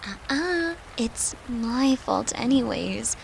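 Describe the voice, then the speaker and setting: A woman playing a worried, tender girlfriend in an intimate audio roleplay, speaking softly and coaxingly, with some hesitation. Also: on the high side, expressive, slow pace, vocal fry, a little hiss or hum, heavily acted, rough recording. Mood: gentle, reassuring. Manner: soft, coaxing, hesitant, sometimes whispery.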